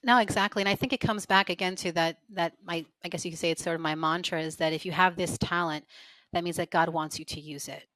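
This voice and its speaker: A woman's voice: on the low side, steady tone, fast, a bit bright, no room sound, poor audio. A woman guest in a conversational interview, telling stories in an earnest, reflective way. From lives in Israel. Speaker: interview guest, finance professional.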